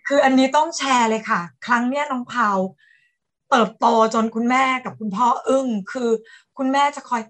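A woman's voice: on the high side, fairly even intonation, normal speed, a bit bright. A woman, a homeschooling mother, explaining her approach in a casual interview with many polite particles. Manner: chatty, explanatory, ends phrases with polite particles. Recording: roomy sound from a distant mic.

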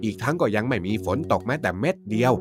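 A man's voice: mid-range voice, natural voice. A man putting on a fawning scheming minister. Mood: mocking. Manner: slow, fawning, pleading. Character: scheming male royal minister, wheedling. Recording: music bed behind.

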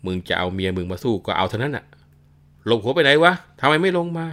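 A man voicing a vengeful aging male warrior who shouts curses at his son. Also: low voice, expressive, moderate pace. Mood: raging. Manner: shouting curses, crude pronouns.

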